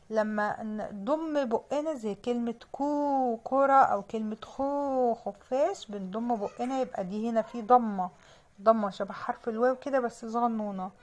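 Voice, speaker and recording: A young woman with an Egyptian accent teaching children to read, sounding out letters and words slowly and patiently. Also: a little high. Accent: Egyptian Arabic. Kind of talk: children's reading lesson.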